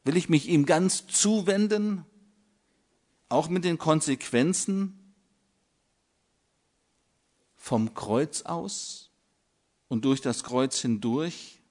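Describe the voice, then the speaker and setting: An older man preaching a sermon in a measured way, with long dramatic pauses. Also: a little high, animated, darkish tone.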